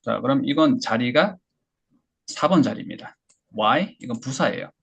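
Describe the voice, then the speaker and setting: A man teaching English pronunciation in a lecture, explaining step by step and modeling phrases slowly for learners to repeat. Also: mid-range voice, expressive, vocal fry, fairly bright tone, slightly rough. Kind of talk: online lecture.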